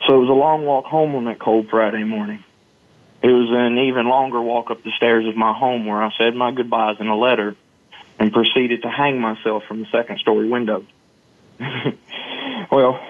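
A man's voice: mid-range voice, no echo. Southern man on a phone-like line. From Arkansas, United States. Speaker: guest, motivational storyteller. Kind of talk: personal storytelling in an interview. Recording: muffled phone-like line, dry.

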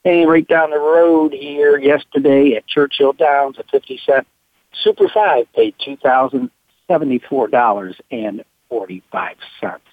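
A man hosting a racing radio show over a thin, phone-like line, his voice slightly hoarse. He stops often with "uh" and lifts with enthusiasm when he talks about winners. The sound is dry and close. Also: mid-range voice, dry recording. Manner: halting, full of uh fillers, enthusiastic about winners. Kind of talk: horse racing talk radio. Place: at home on a farm.

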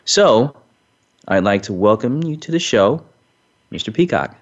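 A male show host interviewing a guest, talking haltingly with frequent fillers. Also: fairly low pitch, big pitch swings. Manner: halting, frequent um and you know. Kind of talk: interview hosting. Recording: dull lo-fi recording.

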